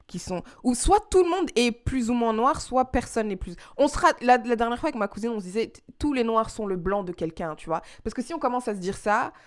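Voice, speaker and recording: Fast-talking French woman, slangy. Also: on the high side. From France. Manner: animated, talks fast in rushes, colloquial slang. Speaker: podcast co-host. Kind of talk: casual chat.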